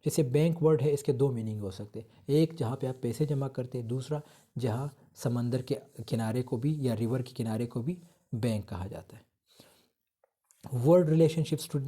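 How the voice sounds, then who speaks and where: Man teaching grammar, really mellow dark voice, says theek hai a lot. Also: mid-range voice. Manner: reads English lines slowly, explains in Hindi-Urdu; fills with "ठीक है". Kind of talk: grammar lecture.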